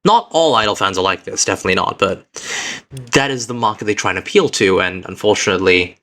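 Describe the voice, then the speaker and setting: Earnest low-voiced man, bright tone. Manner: earnest, reflective, uneven pace with halting restarts. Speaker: VTuber streamer. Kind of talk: heartfelt personal speech to stream chat.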